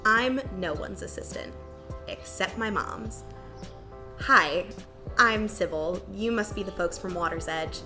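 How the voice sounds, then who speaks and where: Audio drama assistant, young woman, dry casual teasing, lowish register, music underneath. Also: slow pace. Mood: friendly, teasing.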